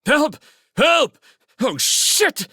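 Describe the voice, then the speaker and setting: A man voicing a panicked, combative soldier scout in frantic shouts, in a dramatic audiobook style. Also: sing-song, very slow, no echo, studio quality, full character voice. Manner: frantic high-pitched shouting. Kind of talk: dramatic audiobook character acting.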